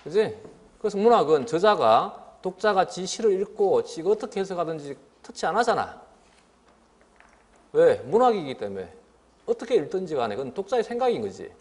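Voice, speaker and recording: Lively man lecturing on biology. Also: moderate pace. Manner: lively and scolding, often asks "알겠지?"; mimics students in a higher voice. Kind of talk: classroom lecture.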